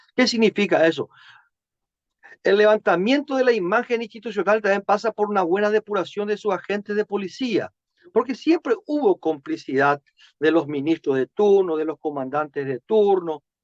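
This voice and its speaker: With lively intonation and a high pitch, a man speaks at a moderate pace in a dry, close sound with no echo. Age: 60s. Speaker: former government minister. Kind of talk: TV interview.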